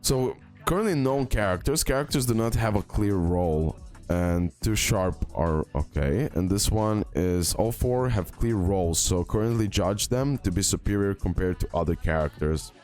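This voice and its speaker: Deep voice guy, casual gaming youtuber thinking out loud, bit of music behind. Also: lively intonation, normal speed. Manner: hesitant, thinking aloud, repeats phrases for emphasis. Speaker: video game YouTuber. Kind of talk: casual game tier-list commentary. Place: indoor screen-recording voice-over.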